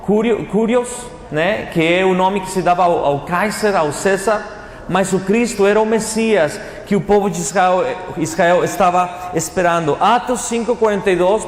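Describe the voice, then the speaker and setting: A male pastor whose first language is Spanish preaches a Bible-teaching sermon at normal speed in a high voice. He teaches didactically, repeating phrases and putting questions to the listeners for them to answer. The hall echoes with long reverb and faint noise.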